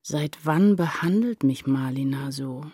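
A woman's voice: extremely low pitch, a little slow, mellow, slightly rough, dry recording, studio quality, full character voice. An actress playing an anguished woman writer, narrating her inner turmoil intensely and introspectively in a literary radio play. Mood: indignant, brooding.

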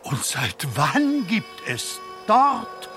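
An actor playing an earnest, deferential medieval scribe in a radio play, with a formal, archaic and solicitous manner. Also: male voice, high-pitched, huge pitch swings, drawn-out words, sharp tone, heavily acted. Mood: earnest, puzzled. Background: music.

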